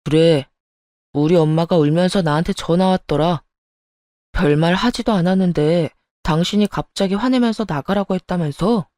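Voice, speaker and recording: A woman voicing a defensive husband in a radio story, lowering her voice and speaking in an accusing tone. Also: moderate pace, mellow, no room sound, clean studio sound, close to an everyday voice. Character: defensive young married husband.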